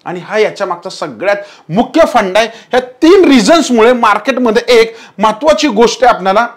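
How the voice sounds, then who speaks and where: A man's voice: sits high, lively intonation, a little fast. A man in his thirties giving an emphatic stock market lesson, often telling viewers to remember key points, recorded on a lapel mic in a studio. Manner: emphatic, repeats "remember", gestures while explaining. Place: studio in front of a large presentation screen.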